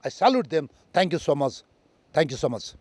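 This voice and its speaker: A man from Nepal with a Nepali accent gives a history lecture in halting, non-native English, proud and emphatic. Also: a little high, sing-song, darkish tone, no room sound. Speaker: speaker on military history. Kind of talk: lecture on history, addressed to listeners.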